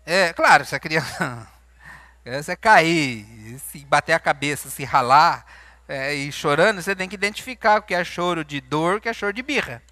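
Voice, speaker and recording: A man's voice: a little high, animated, moderate pace, pushed and bright, dry recording. A man with a Brazilian Portuguese accent preaching a sermon in a church, talking conversationally and asking his congregation questions. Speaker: pastor.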